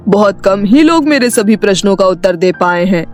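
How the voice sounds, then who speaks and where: A woman voicing a magical talking house, a formal and commanding riddle-setting gatekeeper in an animated story. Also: medium pitch, normal speed, natural voice. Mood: approving. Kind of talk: animated Hindi moral story acting. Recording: music behind the voice.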